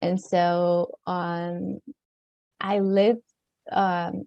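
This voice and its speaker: A woman from Mexico with a Latino accent, talking casually as an interview guest in a halting, circling way with many filler phrases. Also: fairly low pitch, flat delivery, gravelly, no room sound, muffled recording. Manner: halting, circling phrasing with frequent "like" and "you know". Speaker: podcast guest, dancer and author.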